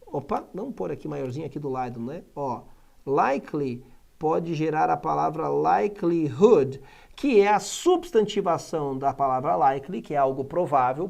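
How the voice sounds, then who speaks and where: A Brazilian English teacher giving an exam-prep video lesson, reading English text aloud and explaining it in a lively, exclamatory way with frequent check-ins. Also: medium pitch, normal speed, creaky. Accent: Brazilian Portuguese.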